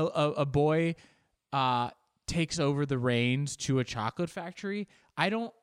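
Man, sarcastic comedic monologue, mid-pitched, rambling restarts, dry close sound. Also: fairly bright tone, dry recording.

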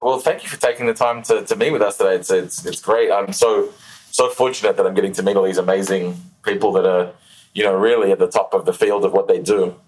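A man with an Australian accent hosting a podcast, easygoing and quick to laugh. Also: low-pitched, steady tone, a little mellow, low-quality recording. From Australia, New Zealand and Los Angeles. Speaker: podcast host. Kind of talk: casual interview chat.

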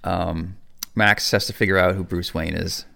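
Gravelly-voiced man, chatty podcast co-host. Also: low-pitched, moderate pace. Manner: animated, quotes people in put-on voices, laughs easily. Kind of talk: casual chat.

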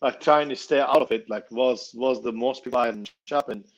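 Halting man chatting, slightly dull recording. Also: medium pitch. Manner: halting, hesitant. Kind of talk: casual chat among friends.

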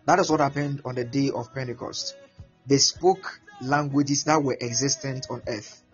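A man's voice: medium pitch, normal speed. A Ghanaian man preaching a teaching sermon, repeating words often as he explains. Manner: repeats words, animated, acts out prayers and voices. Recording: muffled lo-fi with faint music.

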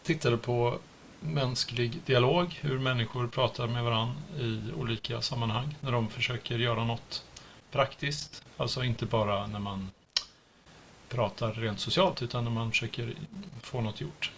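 A man's voice: mid-range voice, steady tone, fairly bright tone, slight background noise. A middle-aged man, a professor, explaining his research in a conversational interview. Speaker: computational linguistics professor, interview guest.

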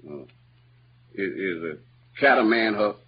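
Jim, a kindly drawling raft companion. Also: male voice, a little slow, slight background noise. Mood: puzzled, earnest. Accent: Southern US rural dialect. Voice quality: lively, swooping between low mutters and high exclamations. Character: runaway enslaved man Jim, simple-hearted, kindly. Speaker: actor in a radio drama. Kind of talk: old-time radio drama acting. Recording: dull lo-fi old radio recording with music.

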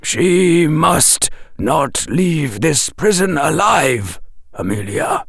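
A man voicing a slow, calm old wizard. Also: fairly high pitch, creaky, no echo, studio quality, voice pushed up, heavily acted. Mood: grave. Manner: slow, soft and measured.

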